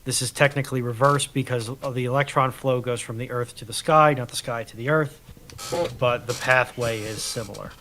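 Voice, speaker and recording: A man of average pitch explains things off the cuff. His delivery is measured and halting, and there is a little noise and clicking on the recording. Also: steady tone, pushed and bright. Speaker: live-stream panellist explaining technical history. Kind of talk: unscripted explanatory talk.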